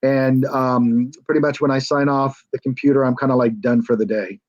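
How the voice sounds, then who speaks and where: A man's voice: mid-range voice, steady tone, normal speed, dry recording, dull audio. Rambling American man on a video call. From United States. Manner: rambling, hesitant with many fillers and restarts. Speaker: guest, former reality show contestant. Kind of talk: casual video call chat.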